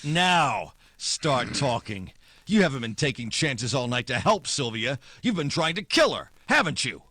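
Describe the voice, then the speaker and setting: An actor playing a tough, wisecracking 1940s private detective in noir radio drama style, sardonic and clipped. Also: male voice, mid-range voice, sing-song, a little slow, sharp tone, full character voice. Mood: hard, threatening.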